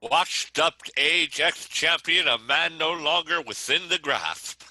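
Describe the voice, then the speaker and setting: Male actor as grandiose sports announcer, high-pitched, very bright and forceful, theatrical, mock-solemn comedy. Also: takes it slowly, dry recording, heavily acted. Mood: pompous, mock-solemn. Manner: pompous, theatrical sportscaster delivery. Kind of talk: comic table read, mock sports commentary.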